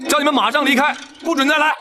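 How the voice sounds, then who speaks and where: An actor playing a dismissive gatekeeper guard who turns people away in a period drama. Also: male voice, very high voice, fairly even intonation, racing, a loud crowd. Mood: curt. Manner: dismissive, curt.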